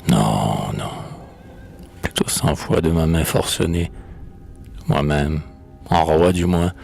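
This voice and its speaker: A man's voice: rumbling low, lively intonation, takes it slowly, creaky, a little mellow, husky, soft background music, full character voice. A man reading a dramatic poem, voicing a proud, despairing old king in a grave, declamatory recitation. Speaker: poetry reader.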